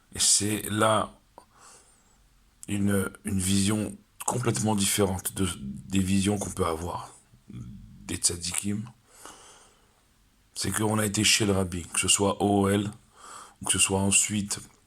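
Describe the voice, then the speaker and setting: A man with a fairly low pitch and ordinary pitch variation talks at a very slow pace. He leaves long, frequent pauses. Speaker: Torah teacher. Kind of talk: religious talk to camera. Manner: halting, with many hesitations.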